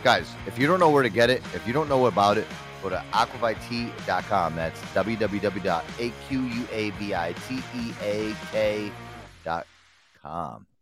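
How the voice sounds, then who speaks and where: A man's voice: lowish voice, normal speed, music in the background. A man hosting a casual talk show, reading sponsor ads and bossing his co-host in a brash, joking way. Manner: brash, laughs often, bossy with co-host. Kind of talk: casual radio-style show with ad reads.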